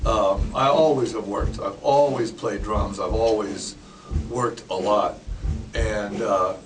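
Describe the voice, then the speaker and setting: A relaxed Canadian man in his sixties talks about drumming in an easygoing, storytelling way. He sits a little away from the microphone. A steady background hiss runs under his voice. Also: medium pitch. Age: 60s. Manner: relaxed storyteller, sings snippets, jokes. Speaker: drummer and educator. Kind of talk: casual interview talk. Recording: distant mic with clear background noise.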